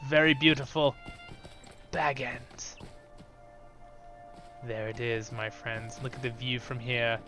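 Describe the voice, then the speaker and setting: A man's voice: mid-range voice, steady tone, slow pace, long pauses, over music. Upbeat man hosting a game video. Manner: upbeat, chatty, drifts into softer asides. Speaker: YouTube channel host. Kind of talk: casual gameplay commentary.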